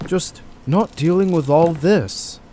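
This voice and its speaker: An actor playing an earnest, overworked hospital doctor in an audio drama, articulate and patient with some exasperation. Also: male voice, on the high side, takes it slowly, warm tone, slight background noise.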